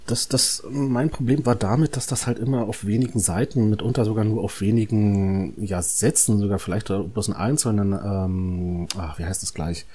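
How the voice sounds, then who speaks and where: A man talking casually and critically about a book as a podcast panelist, often halting and rephrasing. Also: fairly low pitch, fairly even intonation, dark tone, breathy edge.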